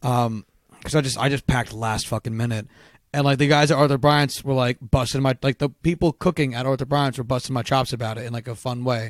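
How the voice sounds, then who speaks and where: A man speaks at a very fast pace with a medium pitch. The sound is dry and close with no echo, and the recording is very clean over a silent background. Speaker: podcast host. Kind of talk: casual chat. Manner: animated.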